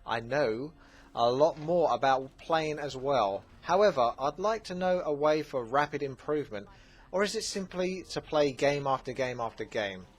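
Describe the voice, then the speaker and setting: A man's voice: medium pitch, moderate pace. Chatty Essex man answering questions. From England. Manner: relaxed, chatty, lots of fillers. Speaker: gaming channel host. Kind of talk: casual Q&A commentary.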